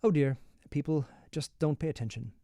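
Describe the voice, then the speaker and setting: A man acts out an urbane male ruler from a storybook in an American accent, close and dry in sound. He speaks in a measured, ironic way, polite on the surface and coolly threatening underneath. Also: a little high, dark tone, no room sound, lightly acted. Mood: dry, patronizing. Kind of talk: storybook dialogue read aloud.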